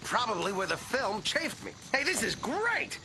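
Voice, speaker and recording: Manic cartoon duck, crass coward, blustery, voice swings wildly, noisy background. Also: male voice, very high voice, big pitch swings, moderate pace, full character voice. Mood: brash. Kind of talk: animated comedy acting. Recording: clear background noise.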